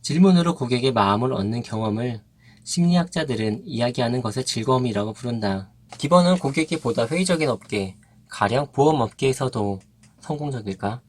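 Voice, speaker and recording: A man narrating a nonfiction book in an even, measured reading voice. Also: mid-range voice. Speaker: audiobook narrator.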